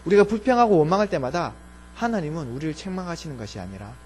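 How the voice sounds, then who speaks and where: A man preaching a Sunday sermon from a church pulpit, his voice a little high with a husky edge. He speaks earnestly and often sinks to a soft, low tone as he pleads. A faint electrical hum sits under the recording. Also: lively intonation, fast, poor audio. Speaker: pastor. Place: church sanctuary.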